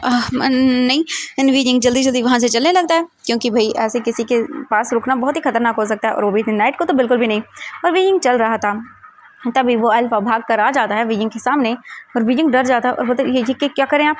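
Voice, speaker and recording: A woman's voice: a little high, slight background noise. A woman casually retelling a fan fiction story in a chatty way. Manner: chatty, retells scenes with many quotes.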